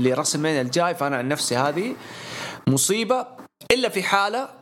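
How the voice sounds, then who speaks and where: A man's voice: on the high side, slight background noise. A man, co-hosting a podcast in casual chat and laying out his opinions point by point. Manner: talkative, opinionated, runs through lists. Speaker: podcast co-host.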